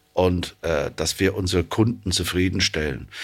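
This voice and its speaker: Speaking in an English accent, a man uses a very deep, low pitch at a moderate pace. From England. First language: English (speaking German). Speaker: plant manager. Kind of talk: interview.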